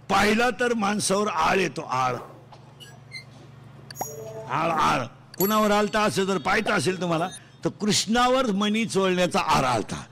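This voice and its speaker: A man preaching a comic devotional sermon to a live audience. He quizzes the crowd in quick call-and-response and tells rustic, teasing jokes. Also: sits high, gravelly, fairly bright tone. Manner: joking, teasing, rustic storytelling. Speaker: kirtan preacher. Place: live religious gathering before an audience.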